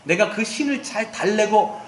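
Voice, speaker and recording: In a church sanctuary, a pastor preaches a sermon, telling a story and putting questions to the congregation. His high voice has lively intonation at a moderate pace, recorded in an echoey hall with faint background noise.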